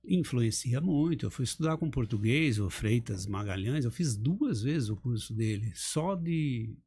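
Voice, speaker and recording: A man's voice: mid-range voice, unhurried, breathy edge. A middle-aged man, a public speaking coach, talking in a casual podcast chat and acting out examples with emphasis. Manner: animated, emphatic, acts out examples.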